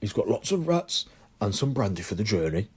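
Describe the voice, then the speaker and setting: A man voicing a big, soft-hearted male gamekeeper who puffs and sobs fondly. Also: on the low side, very animated, brisk, slightly rough, heavily acted. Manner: puffing, sobbing, fond.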